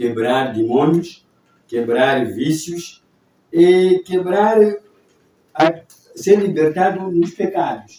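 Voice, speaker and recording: With lively intonation and a high pitch, a man speaks at a very slow pace, leaving long, frequent pauses. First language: Shona (speaking Portuguese). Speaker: pastor. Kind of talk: panel discussion on TV.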